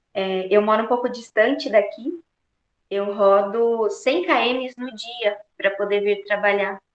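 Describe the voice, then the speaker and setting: A woman at a medium pitch, with ordinary pitch variation and a fairly slow pace. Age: 20s. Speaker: clinical psychologist. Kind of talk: career talk to students. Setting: online video event. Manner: hesitant, many fillers.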